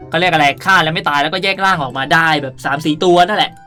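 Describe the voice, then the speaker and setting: A young man talks through a casual gaming tutorial in a bright, forward voice. He is playful and animated, ending sentences in a cute, polite way. Music plays behind him. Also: a little high, very fast. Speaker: gaming video host. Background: background music.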